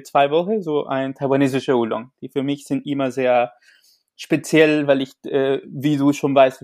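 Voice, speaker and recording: A man from Chile talks as a guest expert, his pitch a little raised. He hesitates often and restarts his sentences, yet keeps an enthusiastic tone. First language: Spanish. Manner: hesitant, many fillers and restarts, warm and enthusiastic. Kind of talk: podcast interview.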